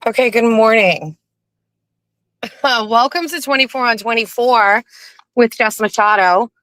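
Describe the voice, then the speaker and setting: A woman's voice: on the high side, a little slow, fairly bright tone, dry recording. Woman, host, scratchy morning voice, chatty and rambling, dry close sound, phone in a car. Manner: chatty, laughing, rambling asides. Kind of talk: casual morning chat while driving. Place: inside a car. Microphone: phone in a car cradle.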